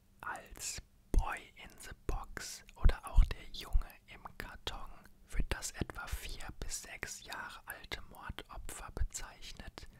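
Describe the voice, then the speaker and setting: Whispering at a very slow pace, a man shows big swings in loudness. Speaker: ASMR true crime narrator. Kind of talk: ASMR true crime narration. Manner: whispered. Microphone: studio mic.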